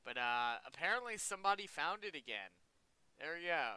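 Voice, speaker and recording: Young male host, casual reaction commentary, bright lively voice, smooth and dry. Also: a little high, a little fast, no room sound, low-quality recording. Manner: rambling, chatty, repeats himself. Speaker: video host.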